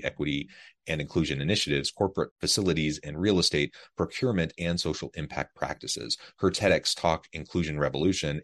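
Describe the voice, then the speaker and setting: A man hosting a podcast interview, reading the guest's bio formally and with enthusiasm. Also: very deep voice. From United States. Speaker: podcast host. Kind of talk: podcast interview with scripted intro.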